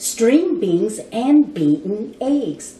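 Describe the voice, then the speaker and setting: Heard over light background noise with audible room echo, a woman speaks at a very slow pace. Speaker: cooking show host. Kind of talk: tutorial. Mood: warm, smiling. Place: kitchen.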